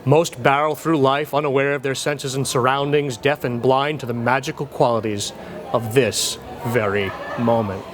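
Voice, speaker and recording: Male reader, medium pitch, measured and earnest motivational copy, slight ambient noise. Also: steady tone. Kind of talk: scripted motivational reading.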